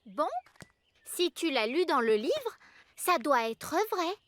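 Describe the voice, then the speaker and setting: An actor voicing an excitable, trusting small child full of questions in a French children's cartoon. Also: sits high, takes it slowly, slight background noise, full character voice. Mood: doubtful, trusting.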